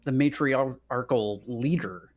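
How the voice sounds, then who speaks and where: A man co-hosting a casual chat in an animated, inquisitive way. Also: medium pitch, takes it slowly. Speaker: show co-host.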